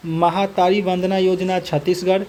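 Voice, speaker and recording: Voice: medium pitch, flat delivery, moderate pace, a little mellow. A coaching teacher working through a multiple-choice test, reading each question twice and then announcing the answer and option in the same set phrase. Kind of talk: reading and solving quiz questions.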